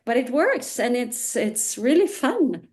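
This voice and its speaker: Woman, halting speech. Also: fairly high pitch, sing-song, a little mellow. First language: Italian. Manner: halting, many restarts and fillers. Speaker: hypnosis trainer. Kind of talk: casual interview chat.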